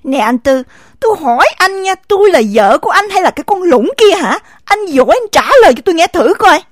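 Voicing a village wife consumed by jealousy and fury, a Southern Vietnamese actress scolds shrilly and at breakneck speed for an audio drama. Her delivery has a sing-song quality, captured as clean studio sound with no echo.

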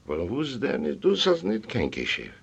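A man reading a story aloud in the first person, expressive and swinging between hushed and loud passages. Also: mid-range voice, normal speed, creaky, husky. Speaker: audiobook reader. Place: library recording room. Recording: dull lo-fi audio.

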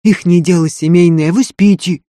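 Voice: medium pitch, fairly even intonation, moderate pace, warm tone, dry recording, studio quality, close to an everyday voice. A narrator voicing a bossy old peasant servant woman who scolds and grumbles in a folksy, raised voice. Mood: scolding.

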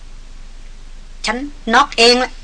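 A man's voice: drawn-out words, sharp tone. A woman voicing a blunt former artillery officer who stammers and gets defensive.

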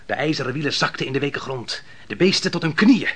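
An actor playing a restless, guarded commander of an ancient army in a radio play, terse, grave and formal. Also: male voice, fairly high pitch, animated, quick pace, a bit bright, husky. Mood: grimly proud. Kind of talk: Dutch radio play acting.

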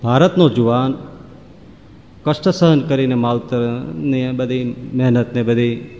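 A man's voice: medium pitch, steady tone, takes it slowly, mellow, slight background noise. A man giving a devotional discourse in a folksy manner, listing examples in rhythmic runs that rise into exclamations. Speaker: preacher. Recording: long hall reverb.

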